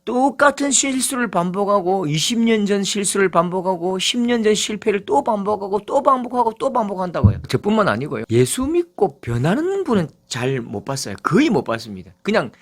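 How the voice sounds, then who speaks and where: A middle-aged male pastor delivering a sermon, with emphatic rises and low, quiet asides. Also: very animated, brisk.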